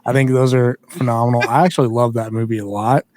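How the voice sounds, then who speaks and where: A man's voice: mid-range voice, steady tone, fast talker, a little mellow. A man co-hosting a casual book club podcast, rambling and enthusiastic as he answers. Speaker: podcast co-host.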